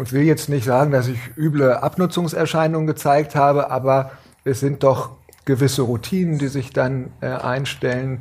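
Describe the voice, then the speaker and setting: Somewhat breathy, a man talks at a fairly high pitch. His intonation stays fairly even. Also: moderate pace. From Lower Saxony, Germany (Gifhorn). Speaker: city official. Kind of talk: interview. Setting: studio. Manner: halting, many fillers.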